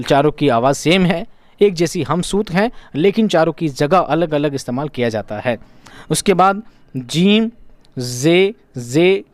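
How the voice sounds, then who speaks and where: A man's voice: on the high side, no echo. A man teaching an exam-prep lesson, asking questions and answering them himself, repeating key terms for emphasis.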